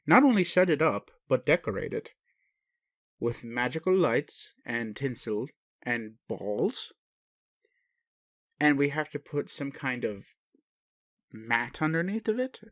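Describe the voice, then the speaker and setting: A man playing a gentle, puzzled alien daddy in an intimate roleplay audio, indulgent and bemused, with questioning hesitations. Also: mid-range voice, very animated, a little slow, no room sound, studio quality. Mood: baffled. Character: gentle, puzzled alien daddy, adult male spaceship commander. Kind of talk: intimate roleplay audio, speaking to one listener.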